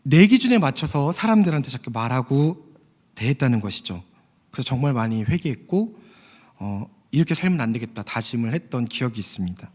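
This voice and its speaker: Male preacher, earnest sermon delivery, warm husky voice with lively pitch, long church-hall reverb. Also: fairly quick. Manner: earnest, tells a story with quoted voices, addresses listeners.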